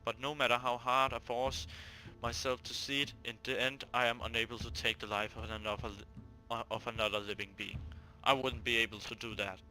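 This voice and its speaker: A man hosting a let's play, reading a visual novel aloud and breaking off into animated, jokey asides. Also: mid-range voice, a little fast, poor audio.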